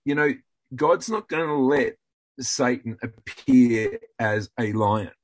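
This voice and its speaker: A man's voice: mid-range voice, slow pace, dry recording, poor audio. A man guest on a Christian talk show, earnestly telling a personal story with many restarts.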